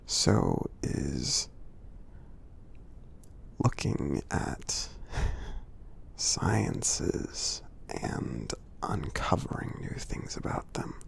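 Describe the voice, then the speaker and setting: Taking on a full character voice, a man portrays a kind, friendly giant for ASMR, his delivery sing-song with a little hiss or hum. The voice is low, husky, breathy and gravelly, half-whispered, slow and gentle with many pauses, soothing and supportive in tone.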